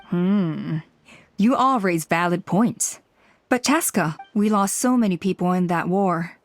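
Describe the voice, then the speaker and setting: A woman playing a grave, courteous tribal elder in a video game, speaking deliberately and diplomatically. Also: fairly low pitch, lively intonation, no echo, soft background music. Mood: earnest, grave.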